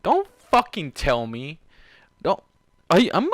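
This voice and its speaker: A man's voice: a little high, huge pitch swings, slow pace, no echo, clean studio sound. A man reading fan fiction aloud and breaking off for incredulous, sweary, casual commentary.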